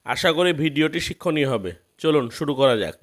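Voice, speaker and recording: A man narrating a scripted grammar lesson, reading out word lists one by one in a measured way. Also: fairly high pitch, sing-song. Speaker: grammar teacher.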